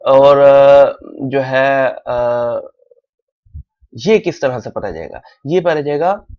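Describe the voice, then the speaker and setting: Guy teaching korean at a whiteboard, repeats words slowly, keeps saying thik hai, muffled audio. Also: medium pitch, animated. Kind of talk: whiteboard lesson explained in Urdu/Hindi. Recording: dull lo-fi sound.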